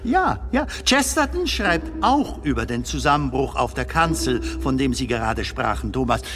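An actor playing a playful comedian who philosophizes in a German audio drama, halting and repeating words as he muses. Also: mid-range voice, sing-song, fairly bright tone, soft background music. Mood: insistent.

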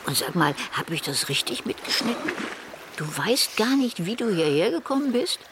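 Radio drama: actress as nonchalant, chatty old female sea animal, conversational and deadpan, with clear water noise behind. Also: mid-range voice, normal speed, natural voice. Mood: chummy, curious. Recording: loud splashing water behind the voice. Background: sea water splashing and trickling.

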